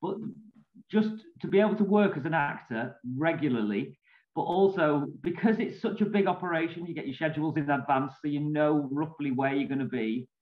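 A man's voice: on the high side, fairly quick. A man in his thirties with a northern English accent, a soap actor chatting casually in an interview and laughing easily, speaking over a video call from a small room. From England. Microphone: laptop video call. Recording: echoey, dull video call audio.

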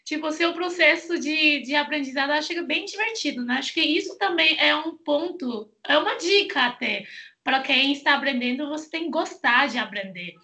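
Bright, high-voiced young woman host. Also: a little fast. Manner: chatty, laughs often, many fillers. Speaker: Chinese teacher and host. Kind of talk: casual video-call interview. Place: small room at home, indoors. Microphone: headset on a video call.

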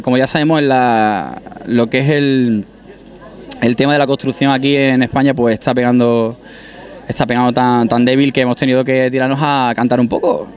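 A man's voice: medium pitch, darkish tone. A young man from Málaga, chatting modestly with a few restarts while being interviewed outdoors on a restaurant terrace with a handheld mic. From Málaga, Spain. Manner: friendly, modest, many restarts. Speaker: singer interviewed. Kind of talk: casual interview chat. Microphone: handheld mic held by interviewer.

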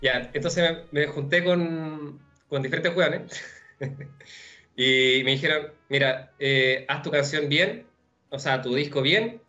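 A young man with a Chilean accent answering interview questions on a video call from home, relaxed and rambling with many fillers. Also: fairly high pitch, takes it slowly. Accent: Chilean Spanish. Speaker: musician guest. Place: room at home. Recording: dull lo-fi video call audio with faint music.

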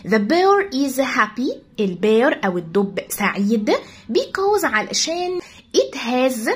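An Egyptian woman teaching English to children talks quickly in a high, animated voice. She slows right down whenever she reads the English sentences, and her voice is slightly husky. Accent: Egyptian Arabic. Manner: quick explanations, slow English reading. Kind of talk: explaining a story for a children's class.

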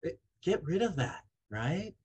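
A man's voice: a little high, measured pace, husky. A man in his forties, a money coach, speaking emphatically on a video call from a home office. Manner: energetic, emphatic, talks with his hands. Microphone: video call webcam.

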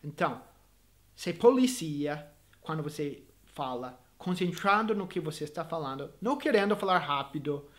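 A man's voice: fairly high pitch, lively intonation, normal speed, a bit bright. A man who teaches English, giving earnest, encouraging advice to viewers in a video lesson, with frequent restarts and small grammar slips as he speaks Portuguese as a learner.

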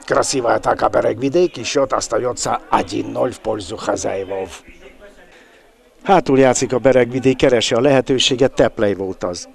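A male sports commentator with a gravelly, creaky voice of medium pitch. He calls the football live in an excited, exclamatory way, drawing out his cries as he follows the play.

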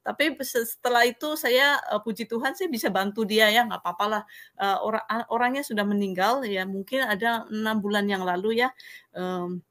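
A woman giving a personal faith testimony in an interview, telling her story in an earnest, halting way over a video call. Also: mid-range voice, fairly bright tone.

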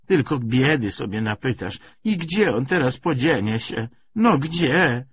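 A man acts out an elderly village woman in an audiobook novel. She frets and laments in rustic speech, raised in pitch and slow, with a husky edge. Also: expressive, lo-fi sound. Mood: lamenting. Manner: rustic dialect, plaintive exclamations. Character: worried old village woman, lamenting over her son.

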